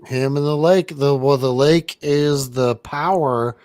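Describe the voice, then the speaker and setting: A man co-hosting a casual movie-review chat, rambling and deadpan, with casual swearing. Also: medium pitch, takes it slowly, no echo, clean studio sound. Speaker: podcast co-host.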